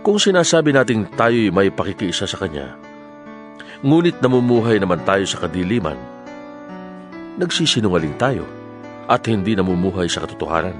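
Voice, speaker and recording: A man with a Filipino accent giving a solemn, measured, declamatory dramatized reading of scripture as a Bible narrator. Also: low voice, animated. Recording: music bed under the voice. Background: background music.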